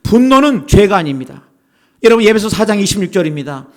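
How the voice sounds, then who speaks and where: A pastor delivers a Sunday sermon at a church service. His voice is a man's, pitched notably high. He preaches earnestly and keeps turning to address the listeners directly. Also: sing-song, fast.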